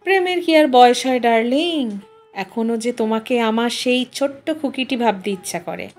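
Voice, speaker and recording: A woman's voice: on the high side, moderate pace, faint music behind, natural voice. Woman voicing a teasing, persuasive middle-aged husband. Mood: teasing, tender.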